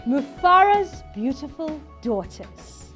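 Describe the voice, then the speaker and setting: A woman teaching a reading lesson to a class, lively and playful. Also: high-pitched, takes it slowly, faint music behind. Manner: lively, switching to a playful storyteller persona.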